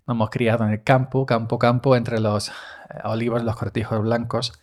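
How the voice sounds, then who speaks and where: A man's voice: medium pitch, little pitch movement, normal speed. A man hosting a casual monologue podcast, talking in a rambling, chatty way and often correcting himself. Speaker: podcast host and olive farm worker. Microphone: studio microphone.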